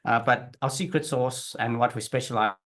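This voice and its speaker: A South African man in his forties, an interview guest and business owner, telling his story in relaxed chat with restarts and fillers. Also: mid-range voice, brisk.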